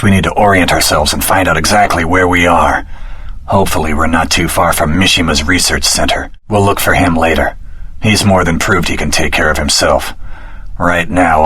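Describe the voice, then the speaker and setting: An actor playing an earnest, determined young hero in a video game, with a dramatic, heroic delivery. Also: male voice, low-pitched, sharp tone, slightly rough, full character voice. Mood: focused.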